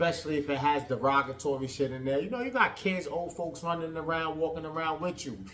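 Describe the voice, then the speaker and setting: Over noticeable background noise, a man with a fairly high pitch rushes along at a very fast pace with hardly any pauses and ordinary pitch variation. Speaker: podcast host. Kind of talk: casual podcast commentary. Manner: loud; animated.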